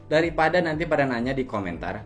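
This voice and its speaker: A man's voice: medium pitch, very animated, fast talker. Casual male gadget reviewer over faint music. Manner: informal, conversational, explanatory. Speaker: product review host. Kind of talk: casual scripted-feel gadget review to camera.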